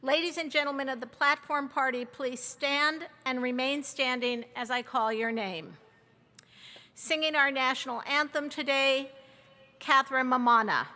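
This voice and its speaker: Bright-voiced woman announcing a ceremony. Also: sits high, big-room sound. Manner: measured, reads a long list of names and titles. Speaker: interim provost. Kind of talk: formal ceremony introductions. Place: large outdoor or hall ceremony over a PA.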